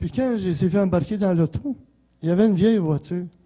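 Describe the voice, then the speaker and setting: The tone here is dark and mellow. It belongs to a man whose pitch is high. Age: 60s. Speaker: church member giving testimony. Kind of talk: testimony.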